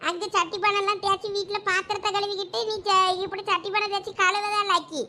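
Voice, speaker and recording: A woman's voice: very high voice, steady tone, pushed and bright, slight background noise. A woman playing a nagging village mother. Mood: scolding. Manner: scolding, rapid nagging. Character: scolding middle-aged village mother, overworked and sharp. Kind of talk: village comedy sketch.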